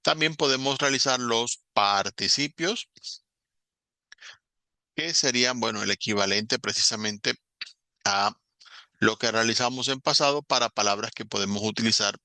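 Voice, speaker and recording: A man's voice: fairly low pitch, bright, forceful tone, no room sound. A man, an English teacher explaining grammar in a recorded online lesson, patiently and step by step.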